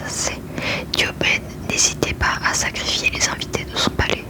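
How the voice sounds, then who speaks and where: A whisper at a fairly slow pace, with noticeable background noise. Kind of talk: bedtime story reading. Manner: whispered.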